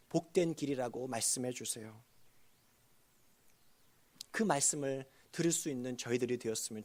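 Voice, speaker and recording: A man preaching a sermon as pastor, earnest and building to loud emphasis, leading the congregation in reading aloud. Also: a little high.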